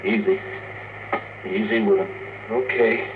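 An actor playing a steady, practical spaceman in a 1950s radio drama, speaking in a brisk, matter-of-fact way. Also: lowish voice, distant mic. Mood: urgent, steady. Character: practical, steady spaceman caring for an old friend. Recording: muffled, noisy old 1950s radio recording.

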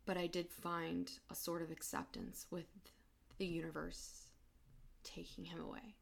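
A young woman hosting a personal podcast, talking in a halting, emotional way and close to tears. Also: on the low side, completely flat delivery, vocal fry. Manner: emotional, halting, soft-spoken. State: tearful. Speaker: podcast host.

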